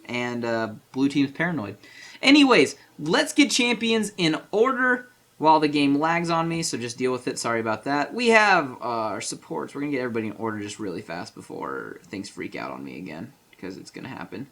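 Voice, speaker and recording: A man giving casual, chatty commentary over game footage, full of fillers and apologetic asides, with bursts of fast, excited play-by-play. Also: medium pitch.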